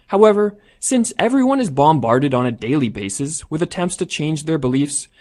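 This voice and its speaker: A man reading a scripted documentary narration in a measured, formal way. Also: a little high, a little mellow. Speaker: narrator of an essay video.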